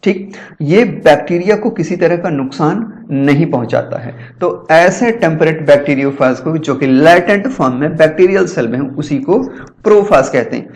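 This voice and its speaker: A male lecturer going through exam-prep questions, asking and answering his own questions and reading English question text slowly. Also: fairly high pitch, darkish tone.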